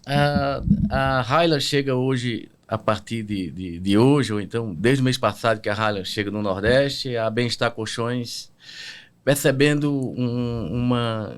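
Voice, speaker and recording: A man's voice: medium pitch, unhurried, clear, resonant tone. Hesitant man presenting his business. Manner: hesitant, restarts phrases. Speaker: podcast guest, store representative. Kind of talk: casual podcast chat.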